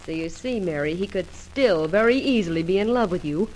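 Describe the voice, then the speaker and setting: An actress playing a smart, wisecracking young reporter in an old-time radio soap opera. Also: female voice, lowish voice, expressive, a little fast, a little mellow, close to an everyday voice. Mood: brisk, confiding. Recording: noisy old radio recording.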